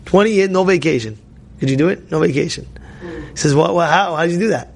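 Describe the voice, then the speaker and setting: A man's voice: on the high side, quick pace, vocal fry. A man teaching a Torah class as a rabbi, pushing his points with repeated phrases and sudden emphatic bursts, asking questions and answering them himself. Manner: rises to emphatic near-shouts, repeats key phrases, asks and answers himself.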